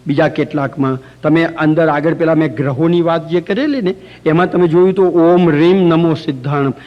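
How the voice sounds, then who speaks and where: A man's voice: on the high side, lo-fi sound. A man teaching a religious workshop to a live group, telling anecdotes with light humor and chanting example phrases aloud to show how they sound. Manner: storytelling, demonstrates chanting aloud. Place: community center hall.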